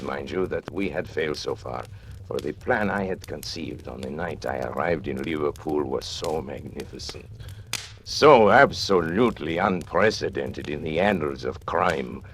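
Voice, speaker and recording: A deep gravelly master criminal. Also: male voice, a little hiss or hum. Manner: grandiose, measured villainous narration. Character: cold scheming male master criminal narrator. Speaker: first-person narrator. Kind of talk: 1940s radio acting.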